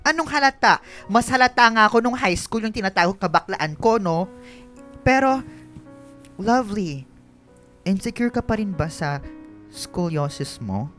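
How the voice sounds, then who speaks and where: Sassy campy young gay filipino guy, bright voice, swoops up and down, bossy bestie type. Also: mid-range voice, lively intonation, measured pace, long pauses, soft background music. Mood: affectionate coaxing. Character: flamboyant, teasing young gay man, bossy affectionate best friend. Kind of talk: Filipino radio drama dialogue.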